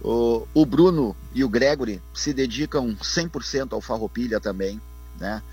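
A football club vice-president calls in to a radio interview over a speakerphone line, speaking earnestly, repeating himself and often turning back to address the host. His voice is medium-pitched, darkish and slightly rough, at normal speed, with soft music in the background.

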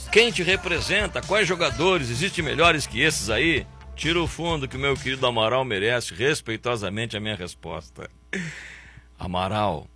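A man's voice: mid-range voice, pushed and bright, slightly rough. A man, hosting a football talk show and ranting bluntly and sarcastically about the national team. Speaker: sports commentary host. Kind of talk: opinionated football commentary.

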